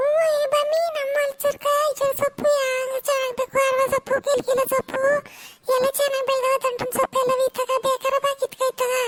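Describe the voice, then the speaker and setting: In a cartoonish character voice, a woman speaks at an extremely high pitch with monotone, flat intonation at a moderate pace, the sound dry and close with no echo. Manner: chatty, exclaims often.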